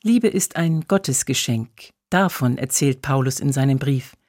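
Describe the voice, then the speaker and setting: Measured preacher with a dry sound. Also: mid-range voice, a little mellow, no room sound. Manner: measured, slows down to stress key phrases; reads scripture solemnly. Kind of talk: scripted radio devotional.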